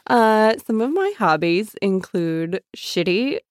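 A woman co-hosting a casual podcast, with a quiet, mumbly voice and teasing, deadpan jokes. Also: mid-range voice, slow pace, dry recording, clean studio sound. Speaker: podcast co-host. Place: studio, not the usual one. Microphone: studio microphone.

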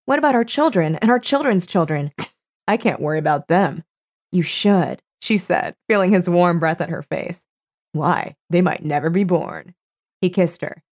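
A woman with a lowish voice co-hosts a chatty podcast. She reads passages from a book aloud and gives them playful emphasis. She talks into a studio mic. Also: expressive, moderate pace, darkish tone. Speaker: podcast co-host. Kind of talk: casual chat reading from a book. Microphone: studio microphone.

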